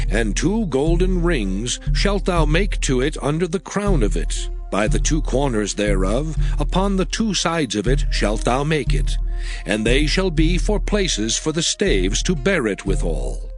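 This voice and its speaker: Music plays clearly behind a man reading scripture as dramatized narration. His delivery is solemn and declamatory, with animated rises and falls in a mid-range voice. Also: mid-range voice. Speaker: audiobook scripture reader.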